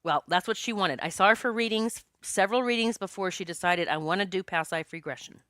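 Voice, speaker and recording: Chatty woman with a bright, forceful voice. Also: mid-range voice, a little fast, no room sound. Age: 40s. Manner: chatty and expressive, jokes with listeners. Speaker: podcast host and psychic medium. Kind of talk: solo podcast monologue.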